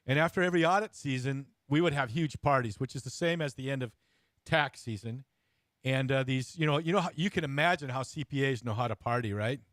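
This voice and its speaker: A man hosting a casual interview, informal and bantering, with halting phrasing. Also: mid-range voice, fairly bright tone, no room sound, studio quality. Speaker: interview host. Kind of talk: casual, jokey chat.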